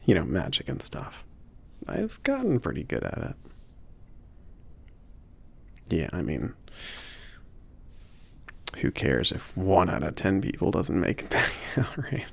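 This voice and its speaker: A man performing a male mage and potion shop owner in an intimate ASMR roleplay. He talks very slowly and softly in a low voice that swings up and down in pitch. He is laid-back and reassuring, with a gentle teasing streak. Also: huge pitch swings, vocal fry, breathy edge, exaggerated voice. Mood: playful. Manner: hesitant, murmured, reassuring, chuckling. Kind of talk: ASMR roleplay, intimate one-sided conversation.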